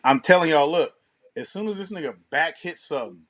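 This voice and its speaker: Higher-pitched American man, slangy podcast talk. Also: lively intonation, brisk, a crowd in the background. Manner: informal, profane, peppers talk with tag phrases. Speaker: podcast co-host. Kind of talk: casual chat and commentary with heavy slang.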